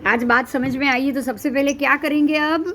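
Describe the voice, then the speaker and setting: A middle-aged woman teaching a scripture lesson, explaining slowly and often quizzing her listeners. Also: high voice, fairly even intonation, noisy background. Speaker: religious teacher.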